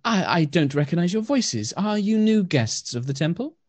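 A man voicing a gentle blind wood elf woman who runs a temple, speaking softly, kindly and with stammers. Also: high voice, big pitch swings, normal speed, no echo, voice pushed up. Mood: concerned. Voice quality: soft, breathy.

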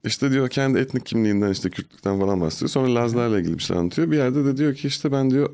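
A man hosting a casual comedy podcast, chatty and quick to laugh, acting out quotes as he goes. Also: mid-range voice, expressive, gravelly, warm tone. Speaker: podcast host.

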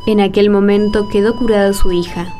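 A woman performs a gentle radio-play storyteller. The tone is dark and relaxed, at a medium pitch. Faint guitar music runs underneath. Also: brisk, close to an everyday voice. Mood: calm narration. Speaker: narrator and friend character. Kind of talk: scripted radio drama narration and reading.

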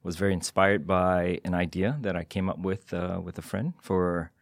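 A middle-aged man giving interview answers in a measured, hesitant way, with many fillers. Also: sits low, little pitch movement, no room sound, studio quality. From Singapore. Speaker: guest, tech executive. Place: podcast studio.

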